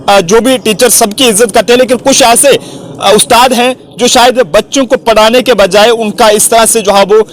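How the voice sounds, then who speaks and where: Brief: male field reporter, strikingly high voice, loose rambling delivery with filler phrases. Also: steady tone, moderate pace. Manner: rambling, fills gaps with "jo hai wo"; corrects himself mid-sentence. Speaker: journalist reporter. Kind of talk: field news report and interview.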